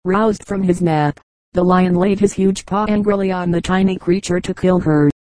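A woman narrates old fables at a steady, measured pace. Her voice sits low and sounds warm and relaxed. The recording is dry and close, with no room sound. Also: dry recording, poor audio. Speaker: audiobook reader. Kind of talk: scripted storybook narration.

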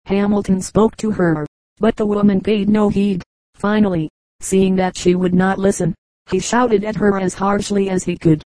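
A woman reading a novel aloud in a steady, measured narration. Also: mid-range voice, dry recording, rough recording. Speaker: audiobook reader. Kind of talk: scripted narration.

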